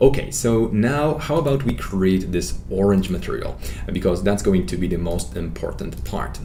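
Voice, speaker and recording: With a non-native accent, a man talks in a very deep, low voice with very wide pitch swings, amid noticeable background noise and audible room echo. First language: not English. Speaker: 3D modeling instructor. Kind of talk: live webinar tutorial. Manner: hesitant, many fillers.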